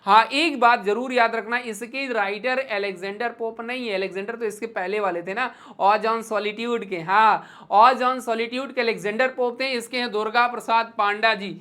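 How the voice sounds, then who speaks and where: A woman teacher with an Indian accent giving an online exam-prep lesson. She mixes Hindi and English, calls her students "beta", and reads English verse slowly in a rhythmic recital. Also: a little high, steady tone, fairly bright tone.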